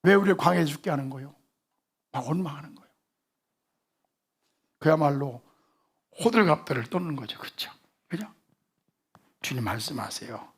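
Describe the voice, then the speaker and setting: A male pastor delivers a lively sermon in a husky, fairly high voice. He drills the congregation with questions and makes them answer. His delivery swings from loud, punchy emphasis to near-whispered asides. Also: moderate pace, pauses often. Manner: call-and-response preaching, quizzing the congregation.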